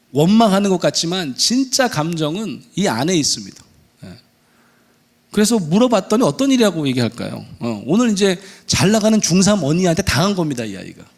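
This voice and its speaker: This is a middle-aged male pastor delivering a sermon in a church. His voice sits somewhat high and moves all over the place. He tells a story vividly and slips into voices for the people in it. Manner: animated storytelling, acting out dialogue in voices. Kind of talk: sermon with acted-out stories. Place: church sanctuary.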